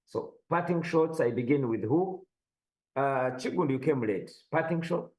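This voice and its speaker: A man hosting a news roundup panel, moderating briskly. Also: mid-range voice, expressive, darkish tone, poor audio. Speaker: host.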